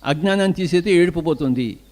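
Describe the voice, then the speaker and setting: Man, spiritual teacher, emphatic sermon, rhetorical questions, slightly high voice, faint birds behind. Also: fast, darkish tone. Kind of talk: spiritual discourse.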